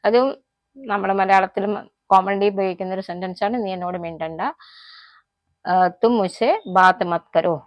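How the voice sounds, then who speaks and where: A woman's voice: mid-range voice, fairly even intonation, no room sound, lo-fi sound. Malayali woman teaching Hindi phrases. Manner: explains phrases slowly and repeats them, sounding out example lines. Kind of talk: casual spoken-language lesson.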